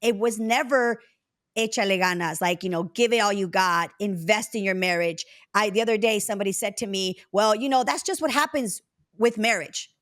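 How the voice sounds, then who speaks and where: A woman in her forties from Mexico, hosting a casual interview chat and telling stories in a reflective, drawn-out way. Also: medium pitch, a bit bright. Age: 40s. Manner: reflective, storytelling, drawn-out phrasing with fillers. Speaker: podcast host.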